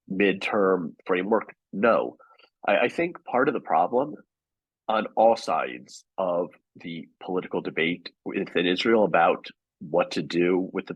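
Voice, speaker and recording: A deep-voiced man speaks from home over a video call. His tone is husky, and the sound is dry and close. He answers questions in a measured, thoughtful way, circling back and restarting his sentences. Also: no room sound, poor audio. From United States. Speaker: guest journalist.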